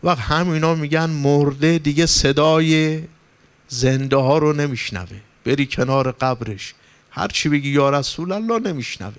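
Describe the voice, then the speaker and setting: A man delivers a sermon as a cleric, his slightly high voice clear and resonant. He tells stories with passion and climbs to emphatic, pleading peaks. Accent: Persian, from Iran. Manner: impassioned storytelling, rising for emphasis. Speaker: cleric preacher. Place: religious gathering hall.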